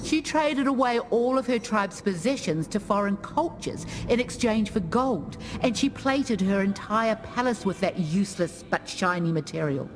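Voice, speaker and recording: An actress voices a tribal woman who keeps the myths of her people in a fantasy game. She speaks in a measured, formal storytelling manner, earnest and mid-pitched, with music clearly playing behind her. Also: lively intonation, close to an everyday voice. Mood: reverent, storytelling. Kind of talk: video game character lore monologue.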